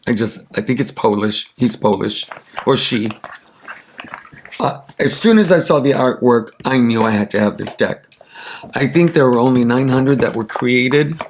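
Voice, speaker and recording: Raspy, gravelly man gushing over cards. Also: mid-range voice, animated, moderate pace, a little hiss or hum. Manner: gushing, enthusiastic, with many fillers. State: congested from allergies. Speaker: tarot deck reviewer. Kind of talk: casual chat showing cards.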